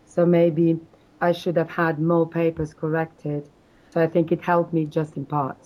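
A woman from South Africa with a low voice answers interview questions. She speaks hesitantly, pausing often and restarting her sentences. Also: flat delivery, dark tone, low-quality recording. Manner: hesitant, many fillers and restarts. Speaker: interview guest, exam candidate.

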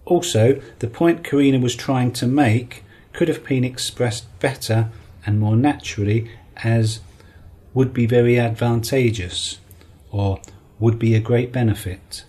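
A man hosting an English-learning podcast, giving measured, scripted feedback on a student's talk. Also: medium pitch, mellow, slightly rough. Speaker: podcast host and English teacher. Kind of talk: scripted teaching commentary.

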